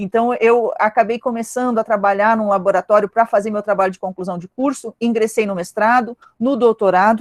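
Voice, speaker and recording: A woman with a slight gaúcho accent speaks at a fairly quick pace with fairly even intonation and hardly any pauses. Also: fairly high pitch for a woman, dry, close sound with no echo. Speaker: physiology professor and researcher. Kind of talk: panel talk. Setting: video call. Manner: hesitant, many fillers.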